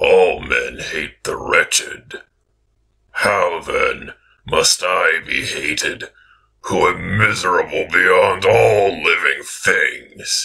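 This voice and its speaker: A man's put-on character voice, raspy and extremely high, delivered at a very slow pace. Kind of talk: dramatic classic literature reading. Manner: solemn, accusing, menacing then pleading.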